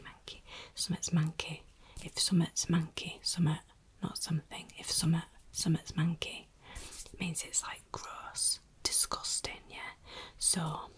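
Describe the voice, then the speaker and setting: Whispering woman with a Yorkshire accent. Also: sits low. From Yorkshire, England. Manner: soft repetitive whispering of single words. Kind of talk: whispered ASMR teaching of dialect words.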